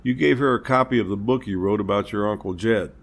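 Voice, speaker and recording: A man playing a polite, reassuring police captain, speaking in a measured, earnest way in an amateur audio drama. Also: on the low side, gravelly. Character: courteous, reassuring male small-town police captain.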